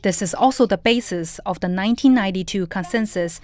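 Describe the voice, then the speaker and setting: A woman reading an English voice-over translation with a steady, even delivery. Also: medium pitch, a little fast. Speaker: interpreter voice-over.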